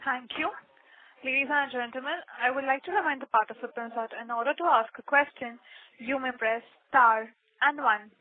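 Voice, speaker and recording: Woman, conference operator, formal announcements, slightly high voice, thin dry telephone line. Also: normal speed, no room sound.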